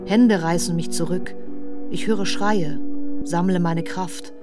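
A woman playing an anguished narrator in a bleak literary radio play, reciting short fragmented lines deliberately and starkly. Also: fairly low pitch, steady tone, music in the background. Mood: grieving, intense.

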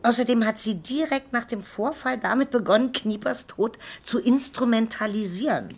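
A woman playing a composed, persistent police investigator in a crime radio drama, with a measured, formal, probing way of speaking. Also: fairly high pitch, breathy edge. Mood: persuasive, insistent.

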